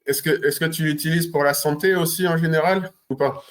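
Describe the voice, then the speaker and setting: A man interviewing a guest in a casual chat, halting and hesitant, pausing on fillers. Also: fairly high pitch, fairly even intonation, slight background noise. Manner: hesitant, halting, clears throat. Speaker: interviewer, channel host.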